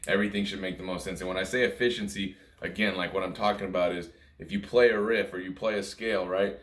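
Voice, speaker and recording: Male music tutor, deep voice, informal rambling explanations, roomy echo. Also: fairly even intonation, fast. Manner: informal, rambling, repeats points. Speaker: music teacher. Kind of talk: casual instructional talk to camera. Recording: echoey room sound.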